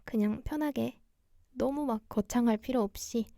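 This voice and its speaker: Young woman, radio DJ, soft and gentle, fairly high mellow voice, dry close sound, cozy chat. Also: moderate pace, vocal fry, no echo. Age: young adult. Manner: soft, gentle, quiet-spoken. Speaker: radio DJ host, idol singer livestreaming. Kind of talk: cozy radio-show style livestream chat.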